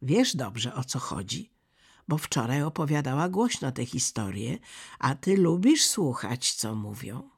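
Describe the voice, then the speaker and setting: A storyteller voicing a fierce, bossy young robber girl who talks loud and threatening, in a husky, creaky voice. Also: medium pitch, very animated, measured pace, exaggerated voice.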